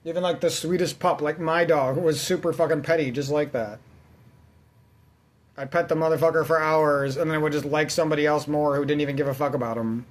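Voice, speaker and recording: A man's voice: a little high, fairly even intonation, fairly quick. A man ranting in casual let's-play commentary, rambling and swearing constantly as he vents. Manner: rambling, profane, venting. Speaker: gaming channel host.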